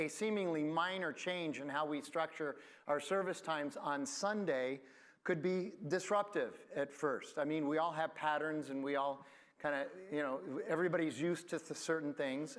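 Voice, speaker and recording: Brief: man, pastor, relaxed announcements, fillers, voice on the higher side. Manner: friendly, conversational, with many fillers. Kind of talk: church announcements before sermon.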